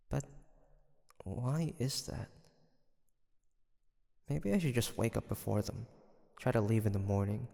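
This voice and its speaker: Man playing a slow, gravelly young hunter, guarded. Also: medium pitch, dark tone, no echo, clean studio sound. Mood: hushed, conflicted. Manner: hesitant, halting, confiding. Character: guarded young male demon hunter, softening, flustered, secretly lonely. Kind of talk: intimate audio roleplay addressed to listener.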